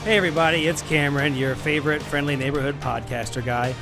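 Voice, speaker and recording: A man's voice: on the high side, steady tone, fast talker. A man hosting a podcast, giving a casual, informal update to listeners with music playing behind him. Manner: chatty, informal. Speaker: podcast host. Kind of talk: casual spoken announcement to listeners.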